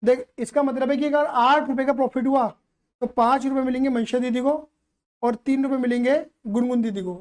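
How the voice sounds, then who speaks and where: A man's voice: extremely high pitch, steady tone, a little fast. A man teaching accountancy to a live class, playful and teasing as he keeps quizzing the students.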